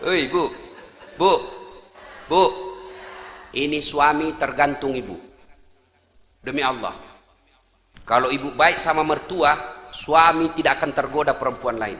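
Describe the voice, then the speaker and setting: A male preacher with a high, very bright, tense voice delivers a humorous sermon. He is emphatic and teasing, dropping quiet and then shouting. The sound rings through a large hall with long reverb and faint noise. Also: measured pace, pauses often. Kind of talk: humorous sermon to a live congregation.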